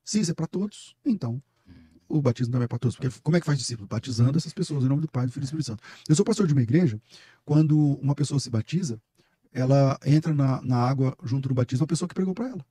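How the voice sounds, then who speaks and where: Middle-aged Brazilian pastor as guest, quick and emphatic, warm husky tone. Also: male voice, medium pitch, animated, dry recording, clean studio sound. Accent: Brazilian Portuguese. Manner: emphatic, storytelling, preacher-like. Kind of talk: casual podcast conversation.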